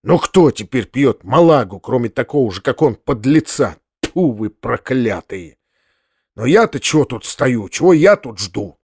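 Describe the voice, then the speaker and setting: A man's voice: medium pitch, animated, measured pace, darkish tone, breathy edge, no room sound, clean studio sound. A man voicing an indignant, grumpy landowner who mutters under his breath, in an audiobook. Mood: grumbling, indignant.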